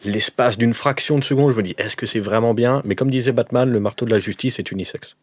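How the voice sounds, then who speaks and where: A man playing a tabletop role-playing game, casual and deadpan with dry humour. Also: medium pitch, fast, no echo. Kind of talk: casual improvised role-play among friends.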